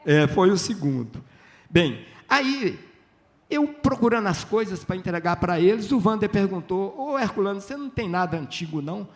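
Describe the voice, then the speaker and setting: Gravelly high-voiced older man. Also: normal speed. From Minas Gerais, Brazil. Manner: lively, chatty, tag questions, acts out dialogue. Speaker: writer, panel guest. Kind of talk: storytelling on a literary festival panel.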